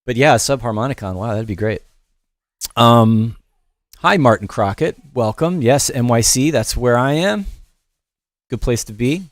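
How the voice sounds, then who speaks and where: Middle-aged male host, relaxed and rambling, mid pitch, dry close studio sound. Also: unhurried, pauses often, no room sound. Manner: loose, off-the-cuff, many fillers and restarts. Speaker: music production instructor and livestream host. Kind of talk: casual livestream tutorial, chatting with viewers. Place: home studio in New York.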